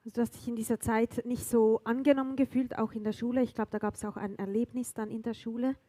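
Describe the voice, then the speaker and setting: Bright-voiced Swiss woman interviewer. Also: on the high side, fast talker, no room sound. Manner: friendly, encouraging, lively questioning. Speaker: interviewer in a church talk service. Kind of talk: church stage interview. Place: church stage.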